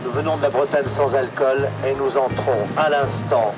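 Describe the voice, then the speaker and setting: A man's voice: medium pitch, fairly even intonation, normal speed, poor audio. A man making a mock-solemn announcement, as if reporting a grand moment. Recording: music playing behind.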